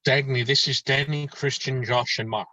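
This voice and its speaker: A man playing a gentle, proud young man showing friends his home, in a measured script read with slightly muffled call audio. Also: mid-range voice, fairly even intonation, noisy background, close to an everyday voice. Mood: proud, affectionate. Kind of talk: table read of a film script.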